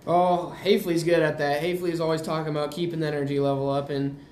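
A man's voice: on the high side, little pitch movement, quick pace, a little mellow. Teenage male athlete in an echoey room. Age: teens. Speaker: high school basketball player interviewed. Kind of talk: casual interview answers. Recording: roomy, echoing, faint noise.

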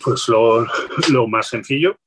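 A man speaking as an interview guest, explaining marketing tips in a relaxed, advice-giving way, often restarting his phrases. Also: mid-range voice, slow, slight background noise. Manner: explanatory, many restarts and "pues". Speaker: guest, LinkedIn sales consultant.

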